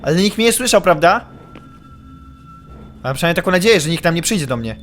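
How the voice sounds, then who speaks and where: A young man commenting on a horror game he is playing, excitable, yelping when startled and muttering while he sneaks. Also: sits high, fast, soft background music. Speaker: gaming YouTuber.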